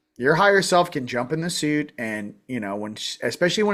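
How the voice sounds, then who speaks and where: Animated in tone, a man with a Californian accent speaks at a fairly quick pace. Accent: Californian American. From Southern California (Orange County). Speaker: spiritual teacher. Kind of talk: podcast interview. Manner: casual.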